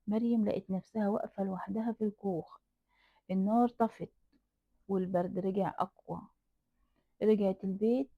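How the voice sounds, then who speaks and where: A woman's voice: medium pitch, breathy edge, dry recording. A woman with an Egyptian accent narrating a horror folk tale dramatically, repeating phrases for emphasis. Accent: Egyptian Arabic. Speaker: storyteller. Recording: dry tinny phone-like sound.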